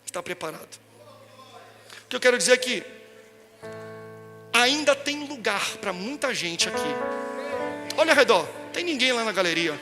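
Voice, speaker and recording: High, bright-voiced Brazilian pastor preaching. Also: male voice, expressive, moderate pace, long pauses, big-room sound, faint music behind. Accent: Brazilian Portuguese. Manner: storytelling, rising to impassioned preaching. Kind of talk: sermon. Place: large church hall.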